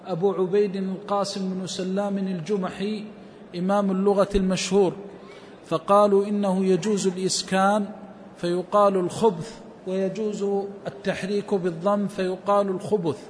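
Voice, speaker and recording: A man explaining a religious text line by line in a measured scholarly lesson, quoting scholars and verse. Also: high-pitched, big-room sound, slight background noise. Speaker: Islamic scholar teaching a hadith text.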